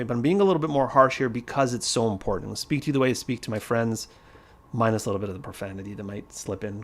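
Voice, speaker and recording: Man, trading educator, casual livestream lesson, blunt, emphatic, repetitive, mid pitch. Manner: blunt, emphatic, repeats key points.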